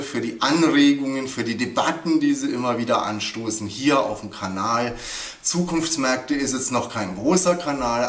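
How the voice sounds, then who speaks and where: A man's voice: mid-range voice, a bit bright. A man in his forties hosting a stock market video, speaking earnestly and emphatically to camera in a living room. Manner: earnest, emphatic, addresses viewers formally. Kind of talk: investment commentary to camera. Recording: echoey room, mic at a distance.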